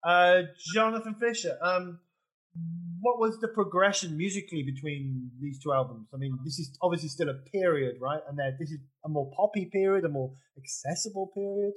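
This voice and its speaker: A man hosting a music podcast, steering the talk with halting questions and restarts. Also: on the high side, a bit bright, rough recording. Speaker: podcast host. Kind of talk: casual chat.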